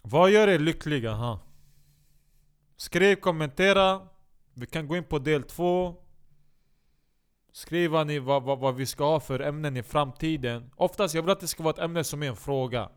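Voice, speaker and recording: A man hosts a rambling, profane comic monologue, swinging between loud outbursts and low mutters and frequently starting his sentences over. His voice comes through clean.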